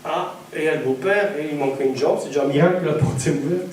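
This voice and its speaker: A fast-talking evangelist with a high, slightly mellow voice preaches to his church, weaving in his testimony with laughter and imitated voices. The recording catches him far from the microphone in a hall with heavy echo and faint noise in the background.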